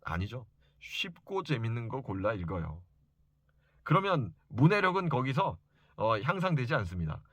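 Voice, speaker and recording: A man's voice: mid-range voice, big pitch swings, moderate pace, fairly bright tone, dry recording. A man giving an informal educational talk to parents as a study coach, speaking emphatically and insistently and repeating key points for stress. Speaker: private reading and study coach advising parents.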